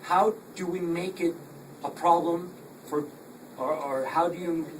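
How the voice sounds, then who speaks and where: A man asking a spontaneous, earnest question at a public talk, halting and often rephrasing. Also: fairly high pitch, steady tone. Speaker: audience questioner. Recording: distant mic, noisy room.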